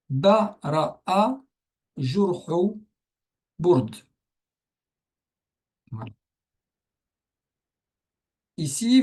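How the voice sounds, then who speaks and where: A man's voice: mid-range voice, creaky, warm tone, breathy edge. A man teaching the Arabic alphabet in French, patiently explaining as he writes out examples. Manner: patient, thinks aloud while writing. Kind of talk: explaining a writing lesson.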